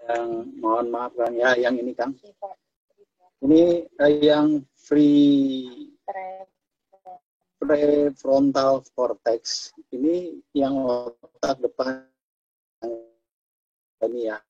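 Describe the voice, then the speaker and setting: A man's voice: medium pitch, steady tone, very slow, long pauses, darkish tone, lo-fi sound. A man asking a polite, hesitant question over a video call, his audio breaking up and glitching. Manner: polite, hesitant, many fillers. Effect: choppy, glitching call audio.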